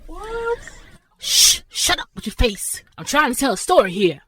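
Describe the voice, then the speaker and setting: A woman voicing a bossy storyteller who scolds and hushes the listeners. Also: very high voice, huge pitch swings, very slow, soft background music, pitched above the performer's own voice, full character voice. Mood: scolding.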